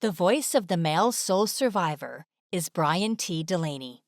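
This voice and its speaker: A woman's voice: fairly low pitch, animated, normal speed, no echo, clean studio sound. A woman delivering scripted video essay narration in a polished, presentational manner.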